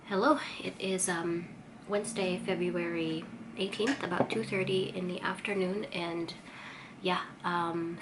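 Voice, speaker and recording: A woman speaks in a somewhat low voice that sounds congested from a cold. She chats casually like a vlogger, rambling along in a self-effacing way. Some background noise sits behind her words. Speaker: vlogger and artist. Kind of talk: casual chatty vlog update.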